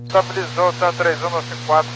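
A crackly, military-style radio transmission with clear hum and static carries a Brazilian man's voice, pitched a bit high. He is a pilot giving clipped readbacks to air traffic control. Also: level tone, quick pace. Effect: aviation radio transmission.

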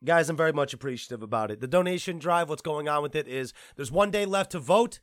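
A man hosting a podcast, talking in a casual, rambling and excitable way, tripping over his words and swearing now and then. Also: a little high, quick pace, dry recording, studio quality. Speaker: podcast host and producer.

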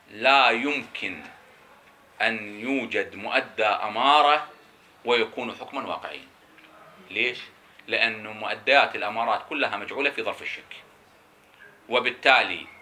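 A man's voice: medium pitch, bright, forceful tone. A man teaching a seminary lecture on jurisprudence, explaining emphatically and answering his own questions. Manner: repeats key terms slowly for emphasis.

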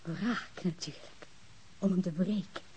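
A woman's voice: fairly low pitch, unhurried, a little mellow, slightly rough, rough recording. A woman playing a defiant, grieving bereaved woman in a Dutch radio drama, curt, sarcastic and defensive. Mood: bitter, defensive.

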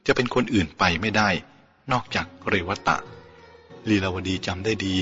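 A man's voice: on the low side, moderate pace, bright, forceful tone, husky, exaggerated voice. A man reading as a stubborn tearful young woman. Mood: insistent. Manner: insistent, pleading. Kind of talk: audiobook character voice. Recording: dull lo-fi with faint music.

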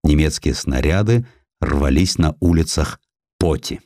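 A man narrating a historical essay as a dramatic, expressive audiobook reader. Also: extremely low pitch, measured pace, no room sound, studio quality. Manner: expressive, theatrical storytelling.

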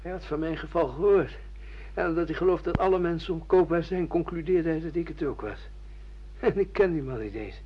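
A man's voice: fairly high pitch, a little fast, a little hiss or hum, lightly acted. An actor playing a bitter, defiant judge who has lost his memory, argumentative and sardonic, in a Dutch radio play. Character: bitter amnesiac judge, defiant man refusing his past. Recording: dull lo-fi radio play recording.

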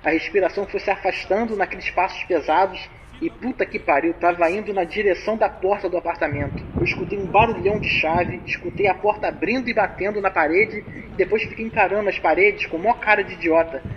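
A man's voice: high voice, a little fast, few pauses, lo-fi sound, noisy background, close to an everyday voice. A man playing a terrified slangy young guy. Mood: frightened. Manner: slangy, breathless storytelling. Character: scared young man leaving voicemails.

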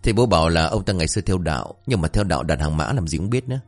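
A man's voice: sits low, lively intonation, very fast, soft background music. A man voicing an exasperated young sister. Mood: exasperated scolding. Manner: exasperated, scolding. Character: gentle dutiful young woman, scolding her wayward brother.

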